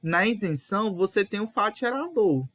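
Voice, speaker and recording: A man's voice: sits high, animated, moderate pace, fairly bright tone, no echo. A young man explaining a lesson casually and patiently, correcting readers and dropping lots of fillers. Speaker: teacher leading a reading session.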